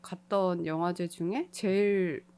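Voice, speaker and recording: A woman's voice: fairly low pitch, steady tone, a little slow, darkish tone, smooth. A woman speaking casually as a guest animation director in an interview.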